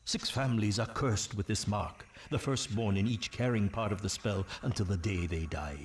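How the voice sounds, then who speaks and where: An actor playing a solemn tribal storyteller, narrating dark legends for a fantasy game in a grave, portentous, theatrical manner. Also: male voice, lowish voice, moderate pace, slight background noise, close to an everyday voice. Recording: music behind the voice. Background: prominent music.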